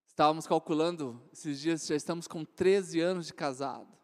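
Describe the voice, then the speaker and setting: A man in his forties with a Brazilian accent preaching a sermon, swinging from loud exclamations to soft joking asides. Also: fairly high pitch, normal speed. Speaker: pastor. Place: church hall. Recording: reverberant church hall.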